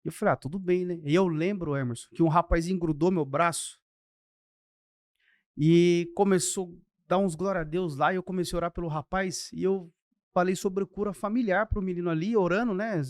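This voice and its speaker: A Brazilian man in his thirties, a pastor telling his faith testimony in a podcast interview, lively and acting out the people in his story. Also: high-pitched, a little fast, dry recording, studio quality. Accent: Brazilian Portuguese. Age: 30s.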